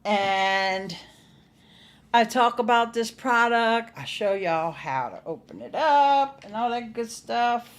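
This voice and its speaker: A woman's voice: on the high side, lively intonation, takes it slowly. A middle-aged woman chatting casually to livestream viewers as host, folksy and playful, leaning on words for emphasis. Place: small indoor home studio. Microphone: desktop microphone close by.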